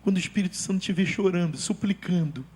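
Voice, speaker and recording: High-voiced older Brazilian pastor preaching. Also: male voice, fast talker, husky. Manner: animated, jumps between loud outbursts and hushed asides. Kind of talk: sermon with personal storytelling. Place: church.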